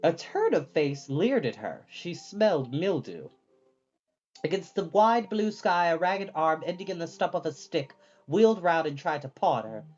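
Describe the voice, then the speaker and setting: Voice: medium pitch, sing-song, moderate pace, darkish tone, lo-fi sound, soft background music. A storyteller reading a fantasy novel aloud as scripted storybook narration.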